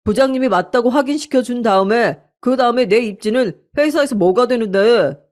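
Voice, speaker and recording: A woman's voice: on the high side, a little fast, a little mellow, voice pushed up, lightly acted. Woman voicing a defensive young husband in a radio story; blustering, irritable. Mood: defensive angry. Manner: defensive, irritable, brushing off accusations.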